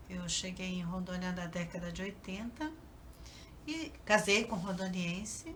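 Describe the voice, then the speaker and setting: A woman's medium-pitched voice at a fairly slow pace, with ordinary pitch variation, audible room echo and noticeable background noise. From Paraná, southern Brazil. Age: 60s. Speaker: journalist and union president. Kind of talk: interview.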